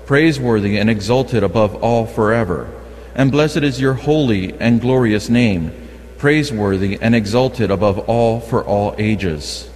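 A man's voice: on the low side, darkish tone. A man formally reading scripture and a canticle as lector in a large, echoing church. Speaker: lector at Mass. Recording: long echoing church reverb.

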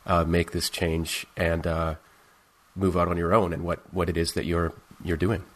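A man hosting an interview, speaking casually with hesitant, halting, roundabout phrasing. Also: sits low, level tone. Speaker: interviewer, host.

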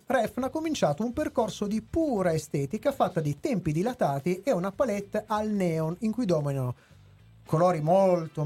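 A man's voice: sits high, mellow, breathy edge. A man co-hosting a podcast, reading a prepared review with some hesitations and chatting with co-hosts. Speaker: podcast host. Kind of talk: casual chat and read review.

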